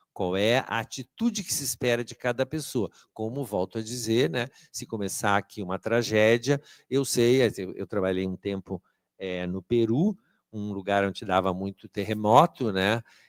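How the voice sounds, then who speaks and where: In a very clean recording with a silent background, a man talks at a moderate pace with a fairly low pitch and ordinary pitch variation, the sound dry and close with no echo, a normal speaking voice. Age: 60s. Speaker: professor. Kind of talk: lecture. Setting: auditorium.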